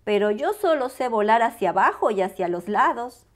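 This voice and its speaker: A woman's voice: a little high, sing-song, moderate pace. A woman voicing an eager, polite little boy bear cub from a storybook, childlike and earnest.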